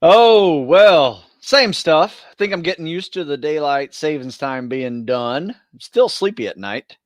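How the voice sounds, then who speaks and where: A man co-hosting a podcast in casual chat, easygoing and a bit halting as he talks. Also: on the high side, expressive, dry recording, studio quality. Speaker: podcast co-host and fitness group trainer.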